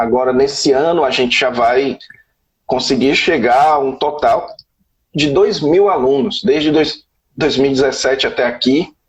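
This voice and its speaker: Keeping very even loudness, a man speaks at a fairly slow pace in a fairly high pitch with ordinary pitch variation. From Ceará, northeastern Brazil. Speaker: pastor. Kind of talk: casual live chat. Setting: video call.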